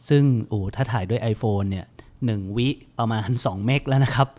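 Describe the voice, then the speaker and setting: A man hosting a computer help show, giving a relaxed, chatty step-by-step screen-reader tutorial with lots of fillers. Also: lowish voice, normal speed.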